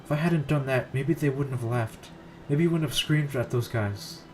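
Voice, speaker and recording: A man's voice: medium pitch, normal speed, voice pushed up, close to an everyday voice. A man voicing a despairing teenage schoolgirl on a rooftop ledge, pleading and stumbling over the text, over background noise.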